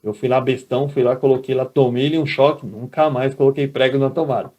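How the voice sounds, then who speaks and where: A man with a Brazilian Portuguese accent gives a recorded lecture as a teacher, speaking fairly quickly in a medium-pitched, slightly mellow voice with fairly even intonation. He keeps a conversational tone and frequently checks in with his listeners.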